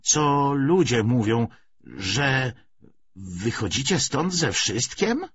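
Plaintive old peasant granny, done by a male narrator; lifted pitch, unhurried, rustic, anxious. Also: big pitch swings, fairly bright tone, breathy edge, dull audio, full character voice. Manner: rustic dialect, plaintive exclamations. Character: worried old village woman, lamenting over her son.

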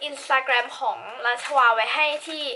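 A young girl in her teens chatting politely through a product unboxing, often pausing and restarting her sentences. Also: high voice, steady tone. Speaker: unboxing vlogger. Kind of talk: casual product review. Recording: noisy home recording. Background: crinkling packaging and clicks.

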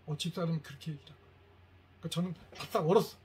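A middle-aged man lectures a room of parents in a fairly high voice. He tells stories and acts out the lines of the people in them, with lively swings in his delivery. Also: very fast. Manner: animated storytelling, acts out quoted lines.

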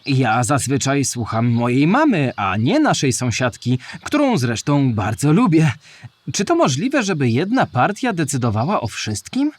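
An inquisitive young boy animal in a children's animated radio play. The delivery swings widely in pitch, with a husky edge, and sounds earnest, polite and eager to learn. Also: a little slow, dry recording. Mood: curious.

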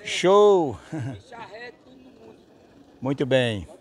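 A man with a mid-range, sing-song voice and a Northeastern Brazilian accent talks very slowly as he hosts a casual vlog from an outdoor dirt-lot livestock market full of trucks. Working as a market reporter, he comments and interviews on location, addressing people familiarly and leaning on short stock catchphrases he repeats.

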